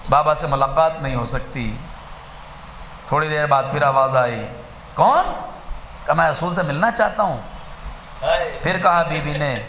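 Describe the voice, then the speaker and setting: A man giving a dramatic mourning sermon as a Muslim cleric, telling the story in a way that swells into wailing, shouted lament. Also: fairly high pitch, slight background noise. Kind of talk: Urdu majlis sermon of mourning. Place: mourning gathering at a shrine.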